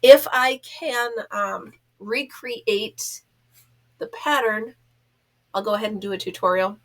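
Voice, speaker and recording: Grandmotherly woman, stuffy pinched-nose sound, casual vlog chat, rambling, self-deprecating, medium pitch. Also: slow, fairly bright tone, poor audio. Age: middle-aged or older, a grandmother. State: stuffed up from being sick. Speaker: host of a crochet vlog.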